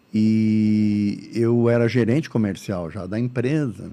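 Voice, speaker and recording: Dark and mellow in tone, this man's voice rests at a medium pitch. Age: 60s. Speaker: spiritist lecturer. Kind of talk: interview testimony.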